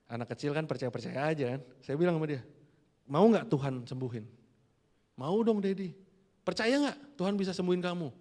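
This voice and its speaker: A male pastor, telling a family story in an animated sermon and acting out the dialogue. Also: a little high. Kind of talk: storytelling sermon to a youth service. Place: church hall. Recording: long hall reverb.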